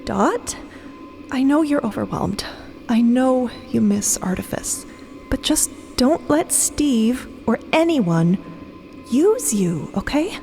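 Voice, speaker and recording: A woman plays an anxious young woman in an audio drama, her voice high and swinging widely. She pleads in halting, emphatic bursts, over a clear music bed. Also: sing-song, mellow, full character voice. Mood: apologetic, earnest. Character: anxious, conscientious young woman, a people-pleaser finding nerve.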